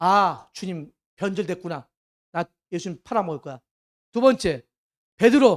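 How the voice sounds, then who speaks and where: Long, frequent pauses mark this very clean recording with a silent background. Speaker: pastor. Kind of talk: sermon. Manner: loud, shouting at times.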